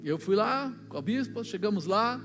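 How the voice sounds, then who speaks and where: Brazilian male pastor, high voice, chatty sermon storytelling, long hall reverb, music under him. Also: expressive, moderate pace. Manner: colloquial storytelling, acting out dialogue. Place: church.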